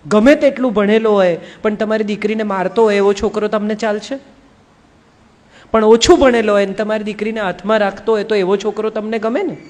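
A woman motivational speaker telling stories in a lively way and addressing the audience directly. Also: on the high side. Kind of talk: motivational speech.

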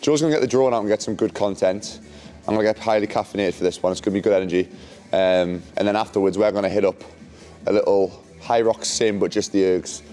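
A man's voice: on the low side, steady tone, fast talker, mellow, soft background music. A man in his twenties coaching group fitness like a barking gym coach, calling out instructions. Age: 20s. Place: large hard-floored indoor gym.

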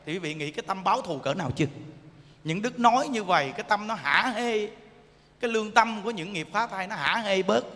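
A man giving an animated sermon as a Buddhist monk, teasing the audience and often asking them if they understand. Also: sits high, a little fast. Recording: echoey hall.

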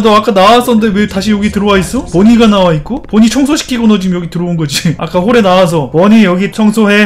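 A man playing a horror game and commenting, teasing the characters in playful chatter. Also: high-pitched. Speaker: gaming YouTuber.

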